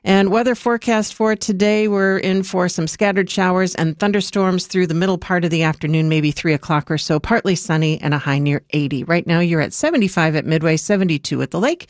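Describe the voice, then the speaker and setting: A news reader delivering a radio newscast in a steady, measured way. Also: mid-range voice, dry recording, clean studio sound.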